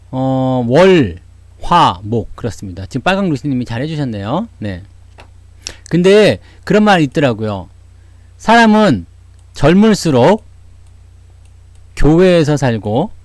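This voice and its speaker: A man's voice: on the high side, a little mellow, no room sound. A middle-aged man from Seoul hosting a casual stock-market livestream, chatty and joking, dropping frequent asides as he answers viewers. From Seoul, South Korea. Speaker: stock market YouTube host.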